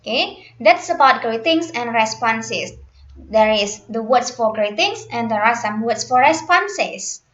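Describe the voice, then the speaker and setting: A woman teaching an English lesson, explaining slowly and deliberately and repeating her points. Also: on the high side, expressive, a bit bright. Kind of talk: classroom explanation. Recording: echoey room, dull lo-fi sound.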